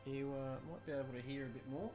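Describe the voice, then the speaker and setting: A man hosting a live stream, loud and chatty, swearing freely. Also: steady tone, fast talker, soft background music. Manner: loud, swears, booming greetings. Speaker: stream host. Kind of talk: casual live stream banter.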